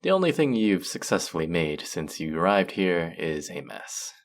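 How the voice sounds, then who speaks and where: A man's voice: low-pitched, sing-song, moderate pace. A man playing a teasing, sardonic, flirtatious male faerie in a scripted audio roleplay. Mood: mocking, amused. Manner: sardonic, teasing, drawling with sighs.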